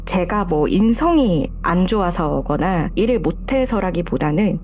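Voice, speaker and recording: A woman from South Korea who calls in to tell her own true horror story, narrating it in a calm, measured way. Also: lowish voice, slight background noise. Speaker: caller sharing her story.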